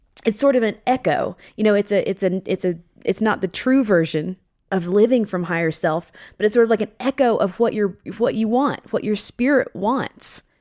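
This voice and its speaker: An American-accented woman speaks at a fairly high pitch and moderate pace with ordinary pitch variation. The recording is very clean, dry and close, with no echo and a silent background. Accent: Southern US, comes out in the South. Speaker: podcast co-host. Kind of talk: casual chat.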